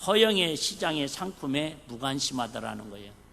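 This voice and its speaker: A man's bright, sharp voice with a slight Jeolla accent, lively intonation and a moderate pace. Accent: mild Jeolla dialect. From Korea, North Jeolla. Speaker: pastor. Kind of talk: sermon.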